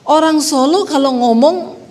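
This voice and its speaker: Sulawesi lady pastor preaching, high voice, big hall echo. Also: a little slow. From Sulawesi, Indonesia. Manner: lively storytelling with rising phrase endings. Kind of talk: sermon. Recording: long reverb of a hall.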